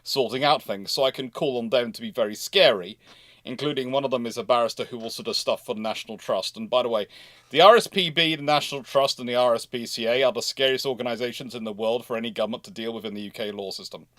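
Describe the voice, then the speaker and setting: A man's voice: mid-range voice, fast talker, fairly bright tone, no room sound, clean studio sound. A man hosting a casual live chat, speaking emphatically and digressively, with repeated words as he gets going. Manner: emphatic, stammering repetitions, digressive. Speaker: livestream host.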